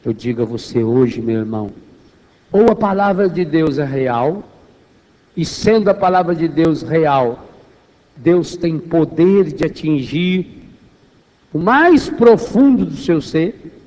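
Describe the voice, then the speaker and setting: High-voiced Brazilian preacher in an echoing hall. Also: male voice, animated, slow pace, pauses often, dark tone. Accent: Brazilian Portuguese. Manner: emphatic, rhetorical questions, repeats phrases for weight. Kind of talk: charismatic sermon to a congregation. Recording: echoey hall, long reverberation.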